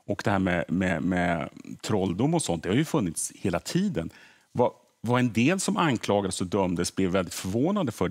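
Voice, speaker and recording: A man's voice: sits low, husky. A middle-aged man, a history podcaster, explaining earnestly in a TV studio interview and often repeating words as he thinks. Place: TV morning show studio.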